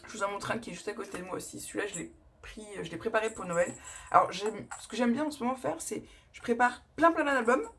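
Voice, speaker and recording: Here a scrapbooking vlogger talks fast in a mid-range voice while she shows off crafting purchases in a casual haul video. It's chatty, rambling, and enthusiastic, full of laughs and self-corrections as she presents items to the camera.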